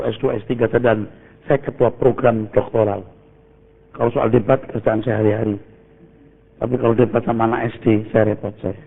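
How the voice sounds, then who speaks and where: Emphatic preacher man, echoing hall. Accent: Indonesian. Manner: emphatic, keeps asking the congregation "betul?"; lively swings in pitch and loudness. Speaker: pastor. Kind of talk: sermon. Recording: phone-like audio in a reverberant hall.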